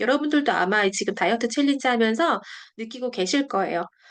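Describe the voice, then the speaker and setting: This woman talks at a high pitch. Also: quiet background. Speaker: book study lecturer. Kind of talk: lecture. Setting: video call. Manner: fast.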